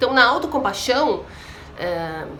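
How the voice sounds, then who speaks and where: A woman speaks at a moderate pace with very wide pitch swings. Room echo can be heard, along with noticeable background noise. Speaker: vlogger recovering from burnout. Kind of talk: casual vlog monologue. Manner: talkative.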